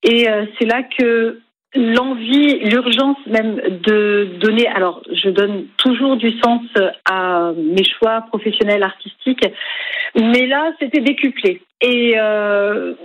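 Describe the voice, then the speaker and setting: A woman's voice: fairly high pitch, takes it slowly, a little hiss or hum, low-quality recording. A woman singer and storyteller giving a radio interview, speaking hesitantly with many fillers and restarts. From Lebanese heritage.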